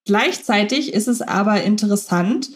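A woman's voice: medium pitch, normal speed. A woman co-hosting a podcast, talking in a chatty, thoughtful way while unwell. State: ill, recovering. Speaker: podcast co-host. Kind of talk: casual chat.

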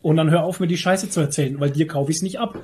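Blunt man with a highish voice. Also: steady tone, quick pace, darkish tone. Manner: blunt, opinionated, crude slang. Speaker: podcast co-host. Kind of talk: casual chat.

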